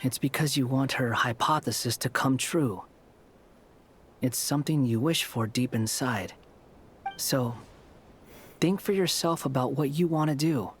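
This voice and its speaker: A man's voice: medium pitch, measured pace, pauses often, slight background noise, natural voice. An actor voicing a blunt, skeptical male companion in a game, challenging and direct. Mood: stern.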